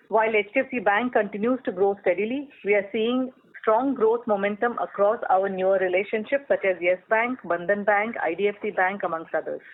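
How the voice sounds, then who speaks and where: The voice comes thinly through a narrowband conference phone line. It is a company executive, at a middling pitch. The results are read from a script in a measured, formal corporate style. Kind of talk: scripted earnings call presentation. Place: telephone conference call.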